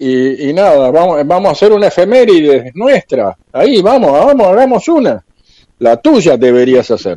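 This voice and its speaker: In a Rioplatense accent, a man talks at a moderate pace with a high pitch, a dark, mellow tone, very wide pitch swings and very even loudness. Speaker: radio listener and old friend. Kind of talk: casual chat.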